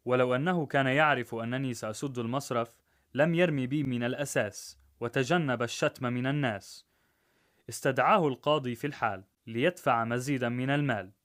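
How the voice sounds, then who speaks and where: A man narrating a rhymed story in a measured, rhythmic way. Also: mid-range voice, fairly bright tone.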